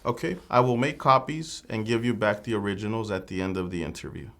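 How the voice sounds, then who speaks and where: A man playing an immigration officer in a scripted mock interview, asking formal, measured questions. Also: lowish voice, fairly bright tone.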